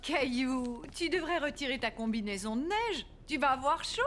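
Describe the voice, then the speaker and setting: Cartoon mom: high-pitched, animated, caring and soothing, music behind. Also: female voice, normal speed. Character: caring, reassuring mother of small children. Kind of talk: animated children's cartoon dialogue.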